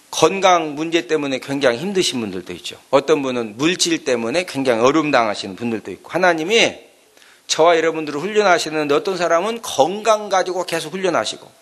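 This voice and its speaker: A man's voice: a little high, fairly bright tone. A man preaching a sermon as pastor. He tells the story with sound effects and often checks in with the congregation.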